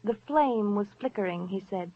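A woman's voice: medium pitch, animated, moderate pace, slight background noise, close to an everyday voice. An actress playing a cool, teasing sophisticated woman with a coy, languid manner, in 1940s radio acting. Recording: dull lo-fi old radio recording.

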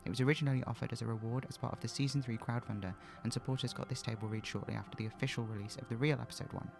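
A man introduces a show informally as its creator. He talks fast with a lot of vocal fry, over faint music. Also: medium pitch, fairly even intonation.

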